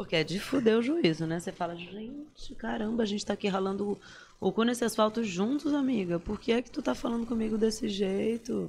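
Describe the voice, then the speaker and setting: A woman talks at a fairly quick pace with fairly high pitch and lively intonation. Her tone is animated and somewhat breathy. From Brazil, São Luís, Maranhão. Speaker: actress. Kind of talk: casual chat. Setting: studio.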